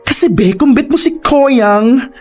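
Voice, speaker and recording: A woman voices an excitable gay best friend with a high, shrieky voice that leaps all over the place. He teases in campy slang, set over a soft music bed in a radio drama. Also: a little slow. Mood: explaining, giddy. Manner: shrieky, teasing camp banter. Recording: faint music underneath.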